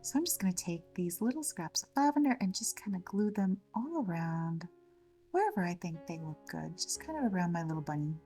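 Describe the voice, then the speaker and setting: A woman with a slightly scratchy voice from a cold, gently narrating a step-by-step craft tutorial in a chatty way. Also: on the low side, big pitch swings, fairly quick, distant mic, soft background music. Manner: gentle, chatty, fond of the word little. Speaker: craft channel host.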